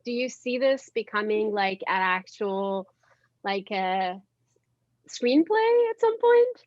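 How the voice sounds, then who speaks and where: A woman's voice: medium pitch, very animated, slow pace, dry recording. A woman from Iran with an Iranian accent, talking effusively and casually as a guest in a panel conversation. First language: Persian. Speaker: theater artist, panel guest. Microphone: video call. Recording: dull, lo-fi video call audio.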